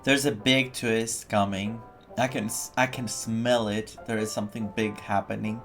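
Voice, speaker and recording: A man's voice: lowish voice, flat delivery, moderate pace, over music. A man streaming a video game, reacting casually with incredulous, repetitive muttering.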